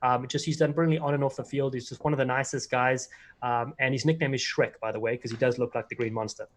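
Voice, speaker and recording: Fast-talking South African man on a video call. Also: mid-range voice, fairly even intonation. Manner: quick, rambling anecdotes full of fillers and restarts. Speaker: guest, former player and commentator. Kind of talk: casual interview storytelling.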